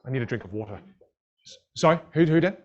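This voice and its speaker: A man's voice: medium pitch, animated, quick pace, muffled recording. A man whose first language is a Chinese dialect teaches public speaking in a live online masterclass, upbeat and greeting viewers in the chat.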